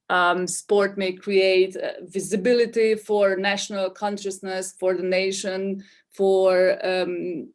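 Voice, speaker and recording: This is a woman presenting research in an online webinar. Her voice sits at a middle pitch, and she reasons her way forward with frequent ums and self-corrections. She comes through a video-call mic. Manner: thoughtful, hesitant with many fillers. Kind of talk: academic webinar talk.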